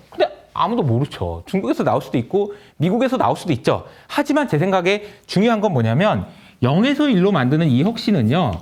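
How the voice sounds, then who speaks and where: Animated Korean man giving market commentary. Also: high voice. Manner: lively, acts out dialogue between countries and companies. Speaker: investment lecturer. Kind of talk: solo investment commentary to camera.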